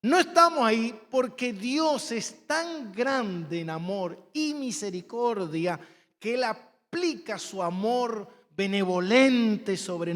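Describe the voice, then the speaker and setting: A man with an Argentine accent, preaching a sermon as pastor, emphatic and repetitive, telling personal stories. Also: high-pitched. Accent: Argentine Spanish. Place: church sanctuary. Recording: long church hall reverb.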